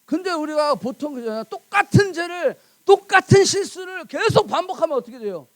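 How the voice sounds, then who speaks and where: A woman's voice: very high voice, animated, brisk. A woman pastor preaching a sermon in a church, emphatic and full of rhetorical questions to the congregation.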